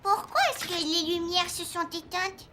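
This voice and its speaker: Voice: extremely high pitch, little pitch movement, measured pace, background noise. A performer voicing a curious, kind four-year-old boy in a French children's cartoon, eager and childlike, with music behind. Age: young child character. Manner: eager, childlike, simply phrased.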